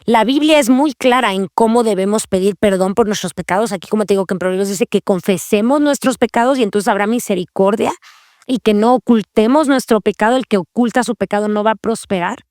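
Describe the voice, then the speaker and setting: A woman's voice: medium pitch, a little fast, a little mellow, no room sound, clean studio sound. A woman hosting a Christian devotional podcast, speaking earnestly and confessionally and repeating key phrases. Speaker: podcast host.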